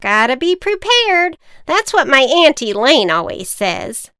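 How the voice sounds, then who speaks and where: A woman's voice: high-pitched, very animated, measured pace, sharp tone, no echo, studio quality, pitched above the performer's own voice, full character voice. A woman voicing a quirky wicked witch who speaks with confident, matter-of-fact authority in a children's storybook. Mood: bossy, matter-of-fact.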